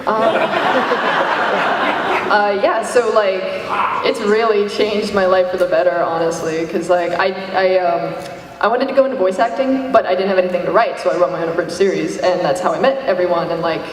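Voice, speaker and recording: A woman panelist chatting casually and jokily at a convention, with an informal manner. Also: fairly low pitch. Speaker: panelist, creator of an abridged parody series. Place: large convention panel room, amplified. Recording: echoey hall, far from mic, noisy.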